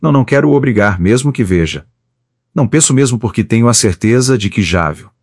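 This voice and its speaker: A man's voice: medium pitch, expressive, fairly quick, darkish tone, dry recording, clean studio sound, lightly acted. A man reading the lines of an earnest, lovesick male engineer in a pleading, heartfelt way.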